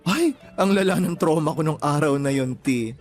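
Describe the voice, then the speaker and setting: A man's voice: fairly high pitch, moderate pace, natural voice. A man playing a flamboyant young gay Filipino in a radio drama, sassy and dramatic, with slangy exclamations. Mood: dramatic recounting. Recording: music playing under the voice.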